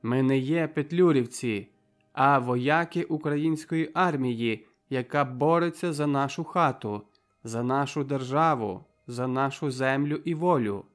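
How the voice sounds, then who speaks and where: A man reading the part of a tall young captured soldier, speaking in a sharp, impassioned voice in an audiobook. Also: on the high side, measured pace, faint music behind, natural voice. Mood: defiant pleading. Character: fiery tall young male soldier prisoner. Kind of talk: audiobook character voice.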